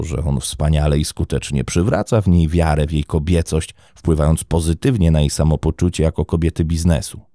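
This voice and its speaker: Deep dark voiced guy reading a crime story, lively swoopy delivery, dry studio sound. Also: dry recording. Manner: dramatic storytelling, wide pitch swings. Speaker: narrator. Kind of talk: scripted true-crime narration.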